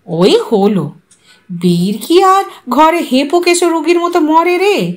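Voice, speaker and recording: A woman's voice: sits high, lively intonation, takes it slowly, pitched above the performer's own voice. A woman voicing a pompous, pushy male village priest in an audio story, with a know-it-all, wheedling manner. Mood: knowing, insistent.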